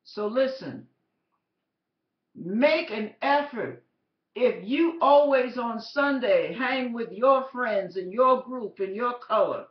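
A woman Christian video blogger telling a story and exhorting her listeners, emphatic and preachy, full of rhetorical questions. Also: on the high side. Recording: roomy, slightly dull.

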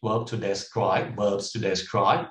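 A man's voice: fairly low pitch, flat delivery, very slow. A man lecturing a class on English, explaining patiently and adding frequent polite particles. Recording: echoey classroom.

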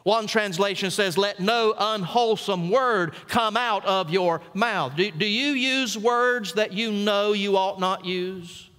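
A middle-aged man, a senior pastor, preaching a sermon with folksy stories and emphatic pauses on key words. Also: high voice, bright, forceful tone, long reverb tail. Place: church sanctuary.

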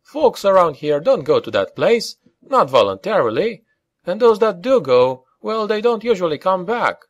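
A man's voice: sits high, very animated, normal speed, no echo, highs cut off, pitched above the performer's own voice. A man voicing a smug, scornful and sceptical man in an audiobook. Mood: alarmed disbelief. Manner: smug, dismissive, pointed.

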